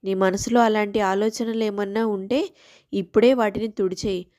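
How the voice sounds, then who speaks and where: A woman's voice: mid-range voice, fairly even intonation, normal speed, darkish tone, pitched below the performer's own voice, natural voice. A woman voicing a firm, loyal young husband in a family moral story, stern and insistent. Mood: indignant, firm. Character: firm, loyal young working husband scolding his wife.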